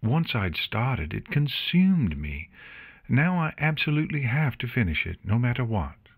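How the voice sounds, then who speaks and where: Man as a brooding mare musician, raised pitch. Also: sing-song, husky, heavily acted. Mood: brooding determination. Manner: scowling, intense, deliberate. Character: brooding, intense female pony musician, grimly determined.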